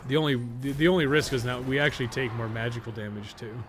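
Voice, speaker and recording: A man's voice: mid-range voice, quick pace. A man gives casual, unscripted gameplay commentary, thinking aloud in a rambling, self-deprecating way with some mild swearing. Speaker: podcast co-host and game streamer. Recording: clearly noisy background.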